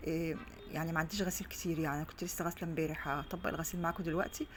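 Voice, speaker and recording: Rapid chatty Egyptian woman vlogging at home. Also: deep voice, fairly even intonation, slight background noise. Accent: Egyptian Arabic. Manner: chatty, rambling, many restarts. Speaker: vlogger and mother. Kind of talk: casual home vlog chat. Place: her home, indoors. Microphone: phone on a stand.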